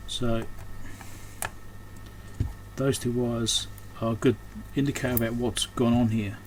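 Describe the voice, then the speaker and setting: A man's voice: mid-range voice, flat delivery, a little slow, rough recording. A man giving casual, unscripted commentary while doing hands-on repair work, thinking aloud and often trailing off mid-thought. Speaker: electronics repairer and video host. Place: indoors at a repair workbench. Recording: clear background noise, room ambience.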